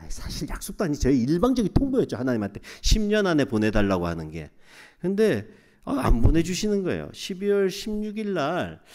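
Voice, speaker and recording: A man with a high pitch speaks at a fairly quick pace, with very wide pitch swings and big swings in loudness. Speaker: missionary pastor. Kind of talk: sermon. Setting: church. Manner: fast.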